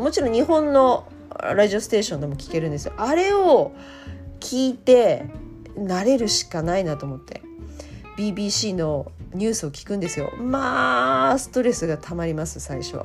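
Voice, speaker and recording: In a casual chat, a woman speaks loosely at normal speed, her talk full of fillers and short laughs. Her pitch swings widely up and down, and soft guitar music plays faintly beneath her.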